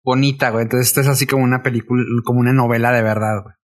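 A man's voice: mid-range voice, fairly even intonation, very fast. A young man with a Mexican accent co-hosting a podcast, teasing and joking in casual banter. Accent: Mexican Spanish. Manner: teasing, joking, says güey a lot. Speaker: podcast co-host.

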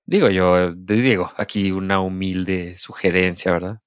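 A man's voice: sits low, fairly even intonation, measured pace, smooth, no room sound, studio quality. A man with a Mexican Spanish accent in casual podcast chat, laid-back and joking.

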